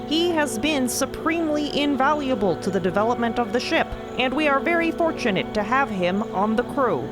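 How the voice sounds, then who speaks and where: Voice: sits high, animated, normal speed, pitched above the performer's own voice. A performer voicing an exuberant, grandiose motherly artificial being with ornate, precise diction in an audio drama, over music. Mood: proud, formal. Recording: loud music bed under the voice.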